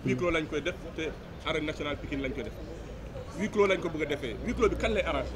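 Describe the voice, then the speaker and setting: A man working as a street reporter, putting brisk, prodding questions to passers-by. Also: on the high side, animated, a crowd in the background.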